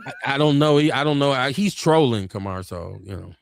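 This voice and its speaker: Speaking briskly in a creaky voice, with slight background noise, this American host of a live online talk show has an urban Black accent. His casual chat turns preachy and animated when he argues a point, jumping up high in pitch, and he reads out comments from viewers.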